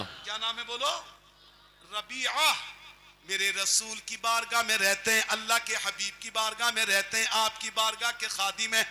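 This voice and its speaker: A man speaks in a high, raised, projected voice. His intonation is monotone and flat. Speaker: Islamic preacher. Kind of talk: religious sermon to a live audience.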